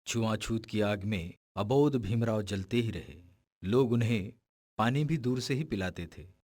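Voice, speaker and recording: A man narrates an animated film in a solemn, measured way. His voice sits fairly low and is recorded dry, with no room sound. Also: no echo. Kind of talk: scripted narration. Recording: dry studio voice-over.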